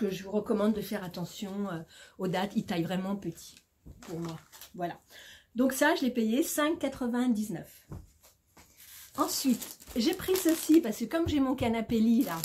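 Chatty middle-aged Frenchwoman, noisy home recording. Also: mid-range voice. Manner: chatty, informal, addresses viewers directly. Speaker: shopping haul vlogger. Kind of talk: casual chatty product haul to camera. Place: small room at home, indoors.

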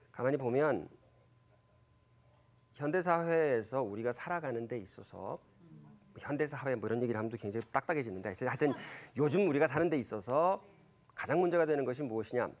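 A man in his fifties giving a church lecture, retelling Bible scenes and family stories with many fillers and self-corrections, acting out the quoted lines. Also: fairly quick. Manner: animated, acts out quoted lines with big pitch jumps. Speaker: Christian lecturer.

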